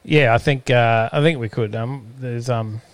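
Male live-stream host, Australian, average pitch, very dry sound. Loose, unscripted, meandering delivery. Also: measured pace, dry recording. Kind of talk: casual, unscripted chat.

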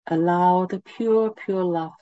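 Slow, nasal woman guiding a meditation. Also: lowish voice, no room sound, muffled recording. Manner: slow, gentle, soothing instructions. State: head cold. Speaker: meditation guide. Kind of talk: guided meditation.

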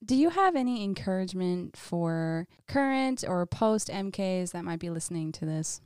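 A woman's voice: on the low side, lively intonation, moderate pace, a little mellow, clear, resonant tone, no room sound, clean studio sound. A young woman co-hosting a podcast, chatting in a friendly way and laughing often as she asks questions. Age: young adult. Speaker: podcast co-host. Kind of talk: casual conversational podcast.

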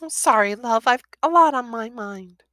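A woman reading aloud, voicing a worried mother who scolds sharply and then turns tender, in a high fussing voice. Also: expressive, normal speed, a bit bright, no echo, studio quality. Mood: fretful tender.

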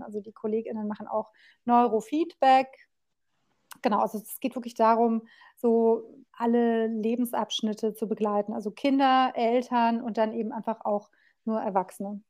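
A woman in her forties from Berlin chats openly as a podcast guest, her voice sitting a little high. She talks loosely and candidly, full of fillers and casual asides. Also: dark tone. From Berlin, Germany. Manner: chatty and candid, loose and colloquial with frequent fillers. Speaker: guest, occupational therapist.

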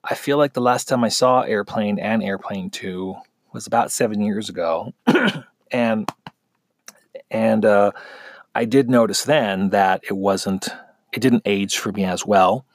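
A man with a fairly low voice talks through a film review in a loose, conversational way, often pausing on fillers and restarting his sentences. The recording is dry, with little room sound around him. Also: no echo. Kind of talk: casual spoken film review.

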